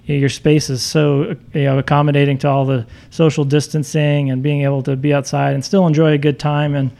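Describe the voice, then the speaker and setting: A man's voice: a little high, flat delivery, brisk, creaky, dark tone. A man co-hosting a local food podcast, rambling a bit with lots of "you know" as he talks. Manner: rambling, many fillers and restarts. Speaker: podcast co-host. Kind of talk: casual podcast chat.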